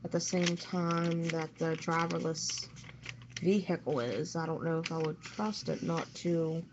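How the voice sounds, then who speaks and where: A woman's voice: low voice, steady tone, measured pace. A woman co-hosting a radio show, presenting and discussing the news in an informal setting. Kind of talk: reading news, then casual discussion. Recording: muffled lo-fi audio with background noise.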